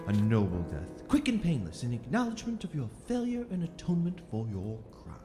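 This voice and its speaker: An actress playing a cruelly amused, sinister mage inquisitor with a theatrical, drawling, condescending manner in an audio drama. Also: female voice, extremely low pitch, huge pitch swings, fairly quick, dark tone, full character voice. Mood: mocking calm. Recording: long echoing reverb, music underneath.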